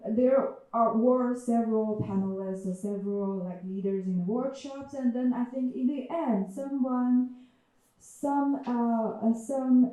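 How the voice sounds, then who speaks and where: A woman's voice: on the high side, mellow. A woman from China with a Chinese accent giving a reflective talk, hesitant with many fillers and restarts. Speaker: writer and panel speaker. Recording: echoey hall, speaker far from mic.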